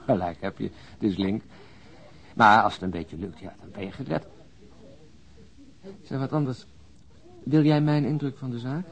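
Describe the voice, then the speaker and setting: A man's voice: mid-range voice, moderate pace, gravelly, pauses often, lightly acted. An actor in a radio drama playing an overweight, jovial, world-weary policeman who talks bluntly and chattily with mild swearing. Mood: confiding. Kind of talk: naturalistic Dutch radio drama acting.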